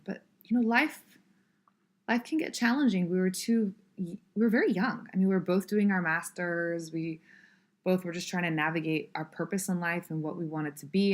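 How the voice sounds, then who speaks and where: A woman in her thirties speaks as a podcast guest, earnest and reflective. Her voice sits on the low side, and her thoughts unfold with pauses and fillers. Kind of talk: personal storytelling in conversation.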